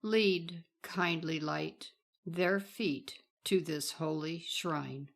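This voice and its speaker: A woman's voice: deep voice, very slow, gravelly. A woman reading a scripted spiritual teaching in a solemn, reverent, formal manner.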